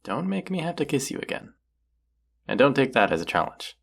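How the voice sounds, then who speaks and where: Man acting a husky, very gravelly young romantic crush. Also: very animated, full character voice. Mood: playful, teasing. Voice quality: husky, breathy, gravelly low voice. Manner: slow, hushed, teasing, trailing pauses. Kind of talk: intimate romantic audio roleplay.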